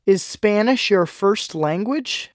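Slow, expressive voice reading lesson lines. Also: male voice, high voice, dry recording, studio quality. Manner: slow, clearly enunciated. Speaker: dialogue reader. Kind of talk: scripted language-lesson dialogue.

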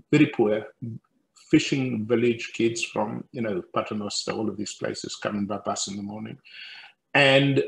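A man, a professor telling stories on a video call from a room at home. He talks in an animated, anecdotal way, laughing often. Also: lowish voice, poor audio. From South Africa. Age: 60s. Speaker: guest speaker, professor. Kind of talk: storytelling interview on a video call. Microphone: headset on a video call.

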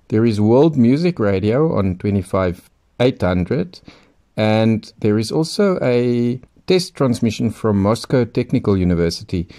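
A man's voice: lowish voice, dark tone. A man explaining things in an informal narration as a radio hobbyist. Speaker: shortwave radio hobbyist and vlogger.

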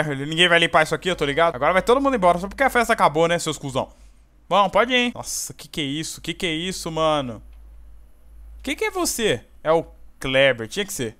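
Um jovem brasileiro narrando uma partida com gírias, bronqueando os personagens com empolgação. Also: male voice, fairly high pitch. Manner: excitable, scolding the characters, slangy. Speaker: gameplay host. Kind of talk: casual gameplay commentary.

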